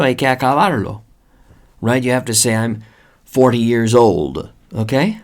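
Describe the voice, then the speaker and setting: A man hosting a podcast English lesson, patiently going through examples and checking in often, switching between English and Spanish to explain. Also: mid-range voice. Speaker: podcast host and English teacher.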